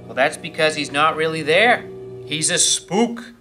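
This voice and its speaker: A man's voice: fairly high pitch, expressive, a little slow, bright, forceful tone. A man acting a sarcastic, taunting older brother in a radio play. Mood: spooky, teasing. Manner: mocking. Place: theatre stage, live reading. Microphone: stand microphone. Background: music.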